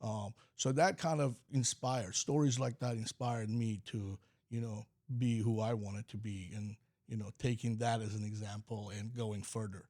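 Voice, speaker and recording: A man's voice: on the low side, steady tone, normal speed, few pauses, darkish tone. A man from California, a company president guesting on a podcast, telling stories in a rambling way with lots of fillers. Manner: rambling storytelling with many fillers. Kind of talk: podcast interview.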